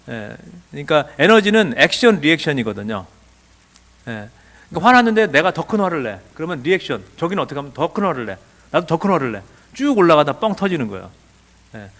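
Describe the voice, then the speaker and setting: Middle-aged male seminar lecturer, lively up-and-down delivery, fairly high voice, keeps asking the room questions. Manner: asks rhetorical questions, acts out quoted dialogue. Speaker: lecturer at a church teacher training.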